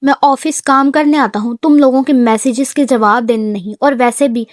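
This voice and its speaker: A woman voicing a calm, rule-bound young businessman who answers in a clipped, exasperated way. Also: sits high, no room sound, clean studio sound, close to an everyday voice.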